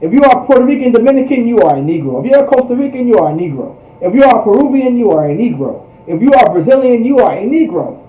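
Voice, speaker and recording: Echoey high-pitched man preaching emphatically. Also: very animated, fast, hardly any pauses, dull audio. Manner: emphatic, repetitive, rhetorical. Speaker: class teacher and preacher. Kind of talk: fervent religious history teaching. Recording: echoey room, distant microphone.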